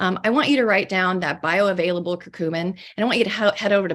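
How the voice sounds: A woman speaks at a medium pitch with lively intonation.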